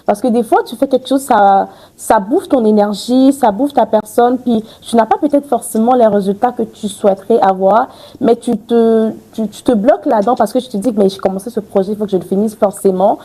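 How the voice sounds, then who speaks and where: A chatty woman hosts a podcast in a warm, mellow voice. She talks in loose, gushing runs full of fillers and restarts. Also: a little high, fairly quick, few pauses. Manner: chatty, effusive, many fillers. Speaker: podcast host. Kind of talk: casual interview chat.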